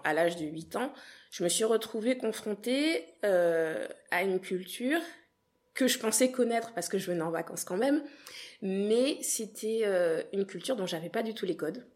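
A young woman from Guadeloupe talks through her answers in an interview. She sounds earnest and reflective, pausing and restarting as she searches for words, and her voice sits at an ordinary middle pitch. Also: lively intonation, a little mellow. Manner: earnest, thoughtful, hesitant restarts. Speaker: podcast creator, interview guest.

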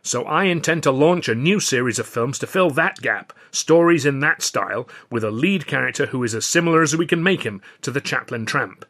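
A man's voice: mid-range voice, expressive, a little fast, hardly any pauses, sharp tone, voice pushed up. A man voicing a showy male film studio boss making a grand announcement in an audiobook. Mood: grand announcing. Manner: announcing, salesman-like build-up. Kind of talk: audiobook character voice.

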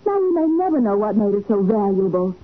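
An actress playing an earnest, plucky detective's assistant, speaking emphatically in 1940s radio drama style. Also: female voice, mid-range voice, big pitch swings, brisk, faint music behind. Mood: puzzled. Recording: muffled, faintly noisy 1940s radio recording.

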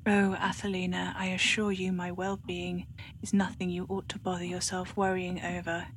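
Woman doing a smooth, sinister hooded stranger. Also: on the low side, completely flat delivery, normal speed, a little hiss or hum, lightly acted. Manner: smooth, quietly menacing.

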